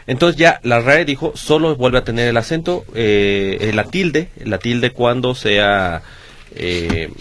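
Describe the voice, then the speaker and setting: A man's voice: medium pitch, animated, takes it slowly, a bit bright. A man co-hosting a radio show, explaining things with dry jokes. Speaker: radio co-host. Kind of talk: casual radio banter.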